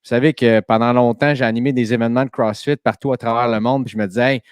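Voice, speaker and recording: A man's voice: mid-range voice, steady tone, fast talker, clear, resonant tone, no echo, clean studio sound. A man hosting a podcast, chatty and enthusiastic with plenty of fillers. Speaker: host. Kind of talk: casual podcast chat.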